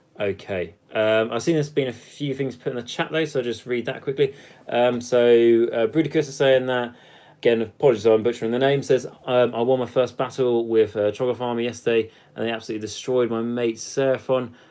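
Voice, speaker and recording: Speaking very fast with a British accent, a man keeps a medium pitch and fairly even intonation. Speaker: gaming YouTuber. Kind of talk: casual Q&A livestream. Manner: mumbling at times.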